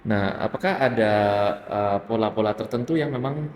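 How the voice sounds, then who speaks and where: A man hosting an interview who asks relaxed questions and often answers with short affirmations. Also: medium pitch, moderate pace, slight background noise. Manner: attentive, frequent short affirmations. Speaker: interview host. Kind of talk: casual interview chat. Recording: echoey hall, faint ambience.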